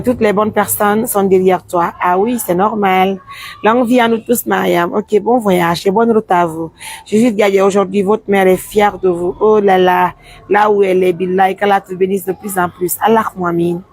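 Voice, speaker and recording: A woman's voice: medium pitch, fairly even intonation, a little slow, a little mellow, no echo. A woman, a mother from Guinea, hosting a casual live stream, mixing French with a local language as she reads out and answers viewer comments. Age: adult with children.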